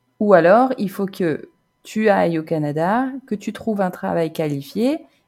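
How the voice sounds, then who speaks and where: A fairly slow delivery full of lively intonation, backed by music. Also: woman. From Normandy, France. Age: 30s. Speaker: expat mother. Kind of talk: interview testimony.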